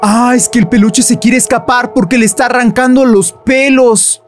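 A man giving playful, joking commentary while playing a game, breaking into squeaky exclamations. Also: steady tone, moderate pace, soft background music. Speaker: gaming youtuber. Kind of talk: let's play commentary.

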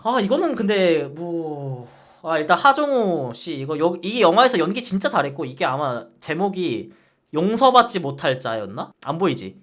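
A man in his twenties chatting casually on a stream, ranting with lots of swearing and laughter. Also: normal speed. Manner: profane, animated ranting with frequent laughs; acts out barked military quotes in a low voice. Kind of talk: casual streaming chat, reacting to a ranking game.

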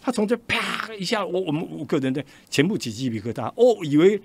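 The recording is dry, and the older man speaking, a radio interview guest with a Taiwanese Mandarin accent, talks fast in a slightly high voice with vocal fry and a breathy edge. Animated, he tells a personal story and voices the quoted dialogue in shifting tones.

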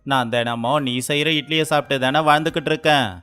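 Clear-voiced, caring young villager. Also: male voice, fairly high pitch, fairly even intonation, quick pace, pushed and bright, faint music behind. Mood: friendly, helpful. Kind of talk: acted dialogue in a children's moral story.

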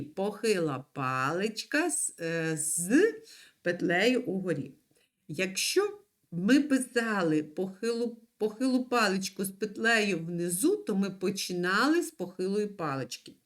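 Вчителька початкових класів проводить онлайн-урок для маленьких дітей, повільно й наспівно розтягуючи склади. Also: female voice, mid-range voice. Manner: slow, sing-song, stretches syllables. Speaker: primary school teacher. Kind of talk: online lesson for young children.

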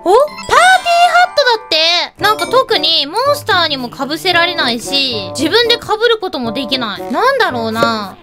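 A woman giving excited let's-play commentary, exclaiming and chatting to her pets and viewers. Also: very high-pitched, normal speed, few pauses. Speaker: gaming YouTuber. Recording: loud game music behind the voice.

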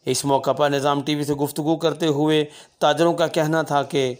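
A man's voice: a little high, flat delivery, moderate pace. A man reading a formal local news report as voice-over narration.

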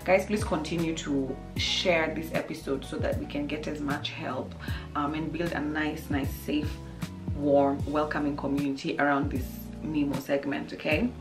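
A young woman hosting an advice vlog, talking candidly to camera with a slightly hoarse voice, often restarting her sentences. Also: low-pitched, fairly even intonation, normal speed, music in the background, rough recording. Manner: chatty and candid, with frequent restarts and fillers. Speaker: YouTube advice host. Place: small room with a painting and plants.

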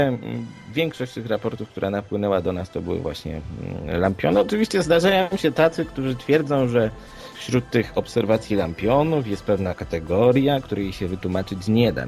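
A man's voice: on the low side, very animated, moderate pace, creaky, darkish tone. A man co-hosting an unscripted podcast discussion, explaining things in a matter-of-fact, sceptical way. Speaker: podcast co-host. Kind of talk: unscripted paranormal news discussion. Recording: background music under the voice. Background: music.

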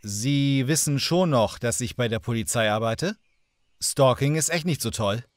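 A man's voice: medium pitch, unhurried, no echo, clean studio sound, lightly acted. A man playing a curt, weary police inspector. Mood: annoyed. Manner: curt, dismissive. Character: tired, weary male police inspector at home.

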